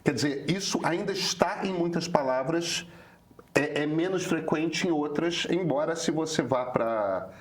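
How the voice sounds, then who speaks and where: A man's voice: on the high side, measured pace. Carioca man explaining casually, full of fillers. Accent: carioca (Rio de Janeiro). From Brazil, Rio de Janeiro. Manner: hesitant with many filler restarts, relaxed and opinionated. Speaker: journalist co-host.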